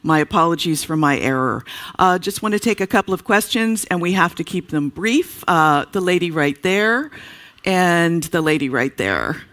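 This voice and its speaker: A man moderating a panel on a conference stage, pressing his questions with halting restarts. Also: a little high, expressive, pushed and bright.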